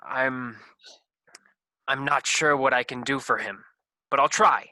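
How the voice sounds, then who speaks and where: Man playing a sharp-voiced, self-important comedy doctor. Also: mid-range voice, slow, no echo. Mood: grave concern. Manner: hesitant stammer turning to bossy, melodramatic gravity. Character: flustered, self-important male doctor who operates on scripts. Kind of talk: comedy sketch staged reading.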